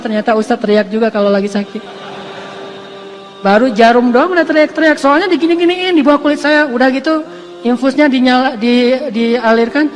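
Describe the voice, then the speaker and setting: A man with a strikingly high voice preaches in a relaxed, conversational way, slipping into acted voices and joking about himself. Faint music plays behind him. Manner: lively, acts out quoted voices, self-deprecating asides. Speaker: Islamic preacher. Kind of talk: casual storytelling sermon.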